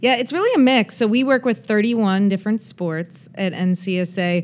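An American accent from a woman, with ordinary pitch variation. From Chicago area, Illinois (Skokie). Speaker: company president, former college hockey player. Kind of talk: interview. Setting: office, in person.

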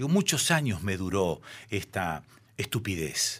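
A very clean, silent-background recording, with pitch swinging very widely. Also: man. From Argentina, Rosario. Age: 60s. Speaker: radio broadcaster and journalist. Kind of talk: interview conversation.

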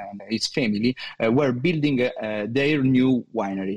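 With a dry, close sound with no echo, a man talks at a medium pitch with ordinary pitch variation. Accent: Italian. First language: Italian. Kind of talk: interview. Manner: halting.

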